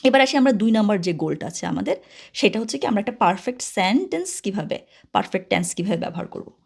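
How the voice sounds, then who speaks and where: A woman teaching a German grammar lesson in Bengali, patient and steady, often pausing to ask whether the students follow. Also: mid-range voice, vocal fry. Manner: patient, asks many checking questions. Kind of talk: classroom-style grammar lesson.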